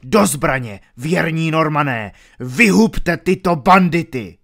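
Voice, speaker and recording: A furious, impatient baron barks orders loudly, as a man acts him out in an audiobook. His voice rises in pitch and force, harsh and domineering. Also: expressive, gravelly, exaggerated voice. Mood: roaring. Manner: barking, loud and angry. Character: furious, impatient middle-aged Norman baron.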